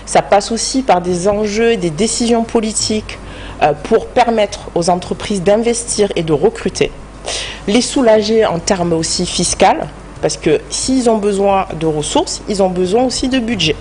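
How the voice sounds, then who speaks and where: Mid-pitched French woman explaining as expert guest. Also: normal speed, a little mellow, a little hiss or hum. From France. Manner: structured, explanatory, step-by-step answers. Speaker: guest expert, human resources director. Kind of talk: explanatory studio interview. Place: TV studio.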